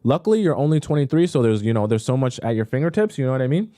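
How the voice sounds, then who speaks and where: A young man gives dating advice on a live stream, reading viewer questions aloud and reacting to them in disbelief. He's casual and chatty with plenty of fillers, speaking rapid-fire and very animated in a mellow mid-range voice. The sound is studio quality with no room sound.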